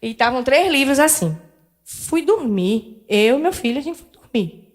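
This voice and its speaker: A woman's voice: high-pitched, big pitch swings, moderate pace. A middle-aged woman, telling a personal story as a lecturer at a spiritist center, candid and self-deprecating, acting out dialogue with shifting voices. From Northeast Brazil.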